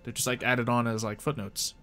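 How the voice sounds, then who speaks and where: A man's voice: mid-range voice, flat delivery, brisk, a bit bright, soft background music. A man acting as game master, narrating a tabletop roleplay in an easygoing, conversational way.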